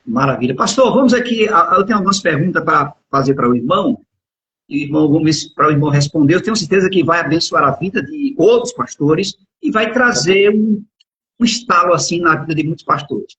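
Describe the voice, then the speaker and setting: A man, middle-aged, hosting an informal live interview in a halting way, repeating words as he goes. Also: a little high, expressive, fairly bright tone, slightly rough. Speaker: podcast and radio host. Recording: dull lo-fi internet call audio.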